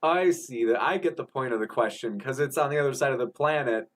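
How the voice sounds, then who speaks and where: A man's voice: medium pitch, fairly quick. A man hosting a livestreamed debate, reading viewer questions aloud in a friendly, chatty way. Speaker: debate show host.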